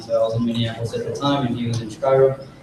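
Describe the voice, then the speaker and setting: A man's voice with noticeable background noise. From Cuban-American. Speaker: parent PTA member. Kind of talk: panel testimony. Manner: fast.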